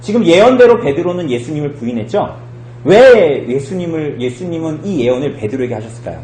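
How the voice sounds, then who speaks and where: Animated male pastor preaching in echoey church. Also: fairly high pitch, brisk, slight background noise. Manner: animated storytelling, acting out quoted lines. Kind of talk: sermon. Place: church sanctuary.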